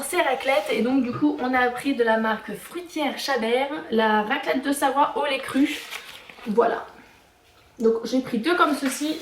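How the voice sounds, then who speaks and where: High voiced woman rambling thru a haul at home, echoey room. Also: slight background noise. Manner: chatty, halting with many fillers. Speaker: vlogger. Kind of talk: casual haul vlog. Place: home kitchen and garage.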